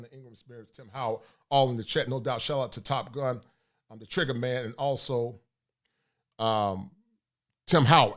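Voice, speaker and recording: A middle-aged man with a deep voice, hosting a livestream talk show, speaking forcefully and reading shout-outs from the chat. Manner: forceful, preachy, reads chat aloud. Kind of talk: casual livestream monologue.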